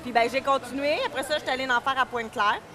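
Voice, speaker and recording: A woman's voice: high voice, fast. A woman in her thirties with a Québécois French accent, talking casually as an interview guest, hesitant with many fillers and restarts. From Quebec, Canada. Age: 30s. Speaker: guest, diving club vice-president and coach. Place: indoor pool area.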